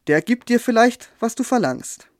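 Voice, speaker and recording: A man voicing a proud male white rose bush in a storybook tale, speaking slowly and loudly. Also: very high-pitched, big pitch swings, no echo, studio quality, pitched above the performer's own voice, exaggerated voice. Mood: stately. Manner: slow, loud, stately.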